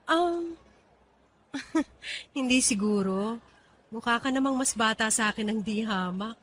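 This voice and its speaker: A woman's voice: on the high side, animated, takes it slowly, a bit bright, slight background noise. An actress playing a friendly woman of thirty in a radio drama, casual and a little hesitant. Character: friendly thirty-year-old pregnant mistress. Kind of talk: Tagalog radio drama acting.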